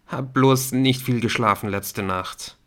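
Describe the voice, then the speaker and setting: A man's voice: mid-range voice, slow, fairly bright tone. A man doing a curt, sullen teenage boy. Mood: defensive. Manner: curt, defensive.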